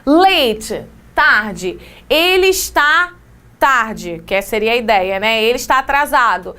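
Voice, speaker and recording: A woman with a Brazilian Portuguese accent teaching an English grammar lesson, explaining with quick examples and playful asides. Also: fairly high pitch, lively intonation, sharp tone, clear, resonant tone. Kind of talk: exam-prep grammar lesson.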